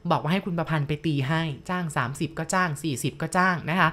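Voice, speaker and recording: Low-voiced woman telling ghost stories. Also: fast talker, fairly bright tone. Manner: polite, addresses listeners directly. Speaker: ghost story narrator. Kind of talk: narrated ghost story for listeners.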